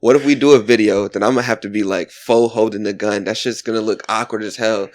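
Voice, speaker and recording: A man with a fairly low voice talks in a relaxed podcast conversation. He rambles loosely and breaks into laughter often as he goes. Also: fast. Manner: laid-back, laughing, rambling. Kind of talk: casual podcast chat.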